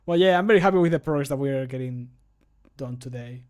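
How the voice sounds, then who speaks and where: A man's voice: mid-range voice, fast, a little mellow, clear, resonant tone. A man in his thirties chatting casually on a livestream from a home room, informal and self-deprecating. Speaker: streamer and amateur voice actor. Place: small home room, indoors.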